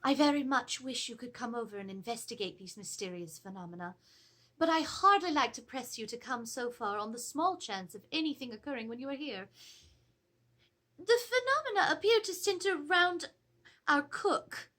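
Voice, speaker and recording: Anxious period wife actress, dramatic letter reading, high and very lively voice, formal and theatrical. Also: female voice, normal speed. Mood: earnest, urgent. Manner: theatrical, expressive, formal storytelling. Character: anxious, genteel Edwardian married lady reporting a haunting. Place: indoors, seated before a draped backdrop.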